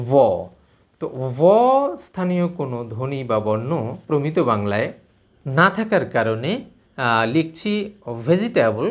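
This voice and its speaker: A man giving a spoken lesson on spelling and pronunciation, explaining patiently and repeating sounds to contrast them. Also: mid-range voice. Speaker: language teacher.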